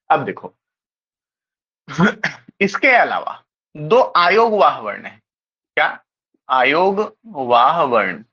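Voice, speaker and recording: A teacher giving an exam-prep grammar lecture, talking slowly and repeating points, often pausing to ask the class quick check questions. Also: medium pitch, pushed and bright, highs cut off. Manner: slow, repetitive, keeps checking with rhetorical questions.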